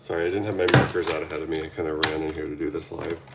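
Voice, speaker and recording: Noticeable background noise fills the recording. A man is the one talking. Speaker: artist drawing live for viewers. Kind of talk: live drawing stream chat. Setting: live stream at home. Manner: casual, halting with fillers.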